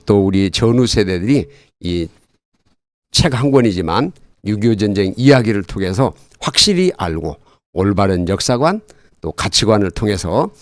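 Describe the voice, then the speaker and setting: Older male expert guest for an interview: earnest, halting explainer, animated intonation, dry close sound. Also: on the low side, no echo. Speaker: guest, retired army colonel and military history author.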